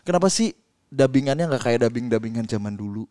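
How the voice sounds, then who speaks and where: A man co-hosting a casual interview, playful and slowing down to ask his questions. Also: mid-range voice, animated, mellow, no echo, studio quality. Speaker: co-host interviewer.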